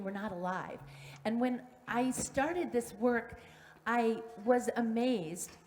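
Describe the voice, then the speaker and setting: A middle-aged woman, founder of a dance company, speaks to an audience from a stage in an energetic, inviting way. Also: a little high. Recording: reverberant conference hall.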